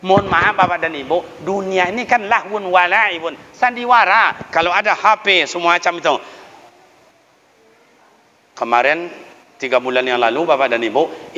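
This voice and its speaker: A man preaching a lively, humorous village sermon, telling folksy stories and calling out to the elders. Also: a little high, normal speed. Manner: humorous storytelling with folksy asides, addressing elders directly. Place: mosque. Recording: reverberant hall sound, dull lo-fi.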